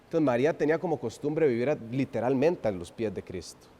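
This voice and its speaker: A man preaching an expository sermon, swinging from loud emphasis to hushed, drawn-out phrases and asking the congregation rhetorical questions. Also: mid-range voice, lively intonation. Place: church sanctuary. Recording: long reverb of a church hall.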